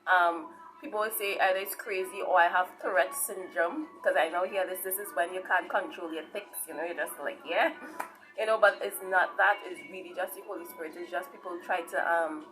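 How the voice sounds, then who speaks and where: A woman's voice: on the low side, steady tone, fairly quick, over music, rough recording. A woman from Saint Vincent and Trinidad with a Caribbean accent, giving informal testimony as an online preacher, repeating herself and often checking in with her listeners. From Saint Vincent, grew up in Trinidad. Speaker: online preacher and channel host.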